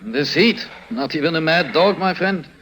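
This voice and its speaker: A man's voice: a little high, normal speed. An actor playing an older male accomplice who grumbles and complains in an old radio drama. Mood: grumbling. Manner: animated, complaining.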